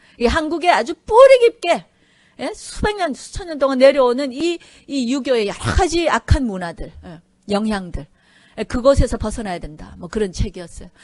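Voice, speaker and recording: Animated and high-pitched, a woman speaks at a moderate pace with very wide pitch swings and big swings in loudness. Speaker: pastor. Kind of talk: sermon. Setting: church.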